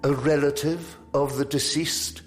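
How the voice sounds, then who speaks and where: Man playing a slow, sinister, courtly undertaker. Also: on the high side, fairly even intonation, faint music behind, natural voice. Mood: falsely sympathetic. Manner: unctuous, formal, ornate phrasing. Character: sinister, courtly funeral director, elegant, pale, falsely sympathetic. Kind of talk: audio drama acting.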